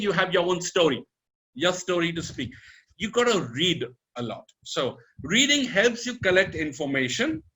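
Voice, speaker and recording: In his fifties, an Indian man gives a motivational talk coaching his audience on public speaking, his bright, forceful voice sitting slightly high. He speaks emphatically with sweeping rises and falls in pitch and mixes Hindi words into his English. The recording is rough.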